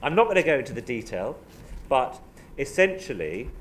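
A man speaks with lively intonation. Light background noise can be heard. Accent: British. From UK. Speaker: government policy official; guest. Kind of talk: conference presentation. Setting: conference room. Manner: halting. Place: meeting room.

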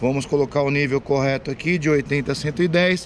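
A man speaks in a plain, everyday voice at a fairly slow pace. His intonation stays fairly even over light background noise. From Brazil. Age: 40s. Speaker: exhaust company owner. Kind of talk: product demo video. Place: street. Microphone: phone near.

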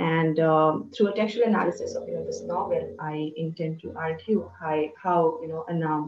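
Light background noise sits behind this recording. A woman speaks with a fairly low pitch. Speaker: guest lecturer. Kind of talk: lecture. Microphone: video call.

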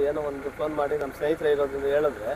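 A man's fairly high-pitched voice comes through over noticeable background noise. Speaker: village resident. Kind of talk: street interview. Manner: halting.

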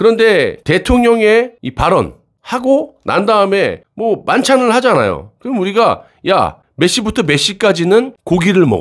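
Against a quiet background, a man with a high-pitched voice speaks fairly slowly in an animated tone with ordinary pitch variation. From South Korea. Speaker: political YouTuber. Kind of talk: political commentary monologue. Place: studio. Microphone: studio mic.

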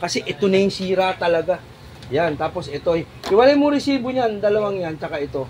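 Against light background noise, a high-pitched man speaks at a very fast pace with lively intonation. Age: old. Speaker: vlogger; vlogger shopping. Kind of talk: casual vlog narration while shopping. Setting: walking through a store. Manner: rambling, repetitive. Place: shop. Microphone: phone near.

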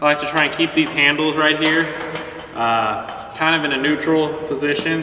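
A man talks fairly slowly while noticeable noise runs in the background. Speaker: lifting coach. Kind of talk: tutorial. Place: gym. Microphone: camera far.

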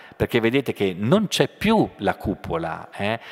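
A man at a fairly slow pace with very wide pitch swings, over a quiet background. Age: 40s. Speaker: art history lecturer. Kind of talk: lecture. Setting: lecture hall with audience. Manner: halting, many fillers. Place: hall.

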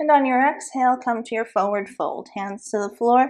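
A woman with a fairly high pitch speaks at a moderate pace, her pitch varying in an ordinary way. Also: quiet background. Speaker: yoga teacher. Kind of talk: guided yoga class, instructional cueing. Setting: home video, yoga practice. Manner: calm, steady, clear instructional pace. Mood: calm, soothing cues.

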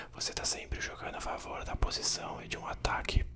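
A man whispers at a moderate pace. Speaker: vlogger. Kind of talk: casual vlog chat. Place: home room. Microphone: handheld.

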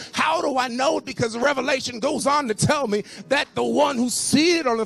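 This man's voice sits at an extremely high pitch, with an animated tone and a fairly quick pace. Noticeable background noise runs behind him. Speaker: preacher. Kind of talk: sermon. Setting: church. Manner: fervent, pleading.

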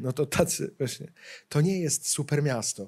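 A man speaks at a fairly slow pace with ordinary pitch variation over a quiet background. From Poland, Ostrowiec Świętokrzyski; Poland. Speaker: Dominican friar giving a Bible course talk; preacher giving a Bible course talk. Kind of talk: conference talk on the Bible. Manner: conversational, informal. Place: hall. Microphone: handheld.

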